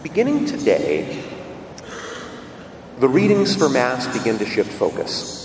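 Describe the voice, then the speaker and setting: A man serving as priest, reading the gospel and preaching a homily at Mass, with a lively, emphatic delivery in a cathedral echo. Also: medium pitch, a little slow, creaky. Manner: lively preaching, leaning hard on key words. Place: large church. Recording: long church reverb, distant mic, room noise.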